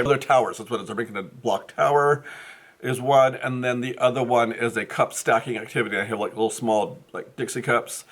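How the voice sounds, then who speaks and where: A man's voice: medium pitch, fairly bright tone, slight background noise. A man who teaches first grade, chatting casually to his vlog camera, rambling and correcting himself as he thinks aloud. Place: school classroom.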